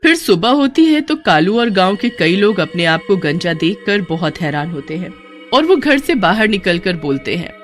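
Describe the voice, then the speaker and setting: A woman's voice: mid-range voice, sing-song, normal speed, faint music behind. Woman narrating a cartoon horror story.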